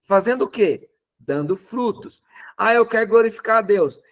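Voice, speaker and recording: A man with a Brazilian Portuguese accent preaching a lively, conversational sermon. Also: sits high, moderate pace, muffled recording. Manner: animated, emphatic, conversational preaching. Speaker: pastor.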